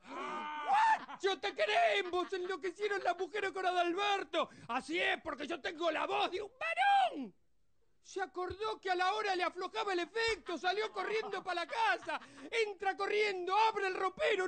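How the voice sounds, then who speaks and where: A man putting on a high, squeaky voice with an Argentine accent, telling jokes on a TV show and acting out the characters in them. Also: very animated, unhurried, sharp tone, exaggerated voice. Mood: chatty. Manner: rattles through jokes, acts out other characters. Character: squeaky-voiced cheeky grown man, playful joker. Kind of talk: stand-up joke telling on a TV show.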